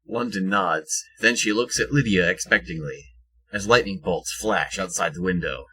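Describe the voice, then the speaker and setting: A man reading scripted third-person narration for an audio drama in a husky voice. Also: sits low, normal speed, bright, forceful tone, rough recording.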